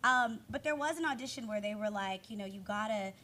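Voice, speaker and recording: A woman's voice: mid-range voice, brisk, sharp tone. A young woman hosting a panel chat at a table mic, with a very young-sounding voice and eager, enthusiastic interjections. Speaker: host. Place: indoor meeting room at a panel table. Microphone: table mic on stand.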